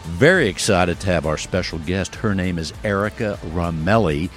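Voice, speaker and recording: A man's voice: low voice, lively intonation, normal speed, soft background music. A man hosting an interview show, chatty and enthusiastic, rambling a bit as he introduces his guest. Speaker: show host. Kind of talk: casual interview talk.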